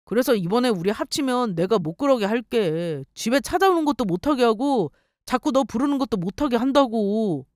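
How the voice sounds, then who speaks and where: A woman's voice: fairly high pitch, animated, moderate pace, a little mellow, no echo, studio quality, close to an everyday voice. A woman voicing a clingy, self-pitying ex-husband in a dramatized story reading, pleading and whining. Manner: whiny, pleading.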